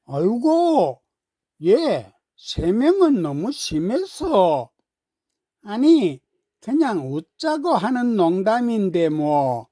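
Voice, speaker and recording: A woman's voice: medium pitch, big pitch swings, extremely slow, dark tone, no echo, studio quality, heavily acted. A woman voicing catty, boastful middle-aged reunion friends in a story, gossipy and falsely sympathetic. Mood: falsely light.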